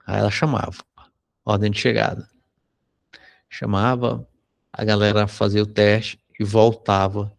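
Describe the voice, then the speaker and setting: A Brazilian man, a psychology teacher, telling a personal anecdote in a conversational lesson, often tagging sentences with a quick question. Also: on the low side, flat delivery, creaky. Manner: conversational, frequent tag questions. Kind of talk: anecdote told in a recorded lesson.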